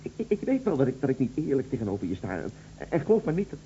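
A man's voice: medium pitch, very animated, rapid-fire, dark tone. An actor playing a flustered, defensive lover in a radio drama, stammering and repeating his words hesitantly. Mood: flustered, pleading. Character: flustered, defensive lover caught in a love triangle. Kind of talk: Dutch radio drama acting. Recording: dull lo-fi radio recording, faint hum.

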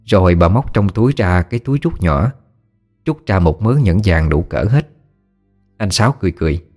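A man with a Southern Vietnamese accent narrating a village story in a steady, unhurried way. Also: deep voice, faint music behind.

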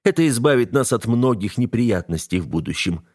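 A man's voice: mid-range voice, animated, a little fast, a little mellow, slightly rough. A man voicing a cold, domineering heir to the throne who issues level, menacing warnings. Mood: commanding. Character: cold, domineering male heir, the narrator himself.

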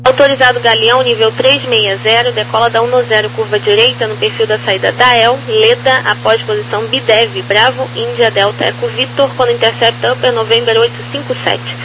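A Brazilian woman works as a ground air traffic controller, issuing clipped procedural instructions over aviation radio. Her voice is slightly high and steady in tone, and she speaks briskly with few pauses. The audio comes through a noisy, crackly aircraft radio channel.

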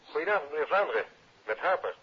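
A man acting an aggrieved, talkative bank employee with a husky voice, heard through a telephone in a 1950s radio serial. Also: a little high, sing-song, quick pace, heavily acted. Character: male bank employee, aggrieved, wordy, uneasy. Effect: telephone filter. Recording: thin, narrow telephone-style old radio sound.

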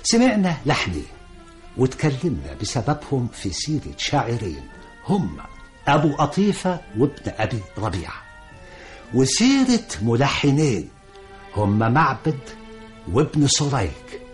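An actor playing a genial old-time Arab storyteller, narrating in rhymed Egyptian colloquial prose with a theatrical cadence. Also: male voice, mid-range voice, wildly swooping pitch, normal speed, faint music behind. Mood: measured, genial.

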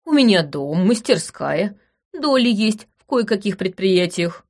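Calm older jeweler, read by a woman, homely and unhurried, audiobook. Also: mid-range voice. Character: older male jeweler, calm and plain-spoken.

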